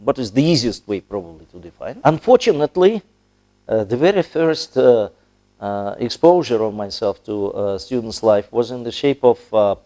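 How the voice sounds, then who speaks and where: Halting Russian-accented man in dark, mellow voice. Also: mid-range voice, animated. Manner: halting, deliberate, diplomatic wording with long hesitations. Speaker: ambassador, interview guest. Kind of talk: formal broadcast interview.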